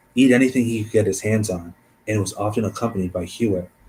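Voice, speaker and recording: A man with a fairly low pitch and a dark, mellow, somewhat breathy tone talks at a fairly quick pace. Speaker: livestream host reading true crime cases. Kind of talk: reading aloud with live reactions. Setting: livestream. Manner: fast; halting, self-correcting.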